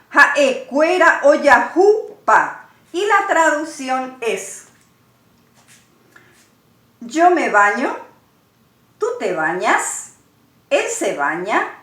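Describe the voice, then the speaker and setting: A woman teaching a language lesson, slowly drilling verb conjugations one form at a time. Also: sits high, fairly bright tone, roomy sound. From Paraguay. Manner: slow, carefully spelled-out conjugation drills. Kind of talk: slow, deliberate language lesson.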